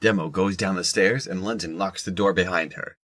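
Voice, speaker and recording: A man with a husky voice reading scripted narration for an audio drama. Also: deep voice, steady tone, normal speed, a bit bright.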